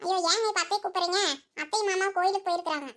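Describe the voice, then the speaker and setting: A woman voicing a high, quick young village wife. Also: fairly bright tone. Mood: protesting. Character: young village wife, gentle, mildly protesting. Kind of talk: cartoon voice acting.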